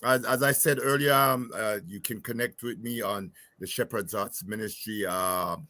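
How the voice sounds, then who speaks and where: Halting man with a bright, forceful voice. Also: fairly low pitch, steady tone, no room sound. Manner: hesitant, halting, repeats words. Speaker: guest marriage expert. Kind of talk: casual spoken remarks on a panel.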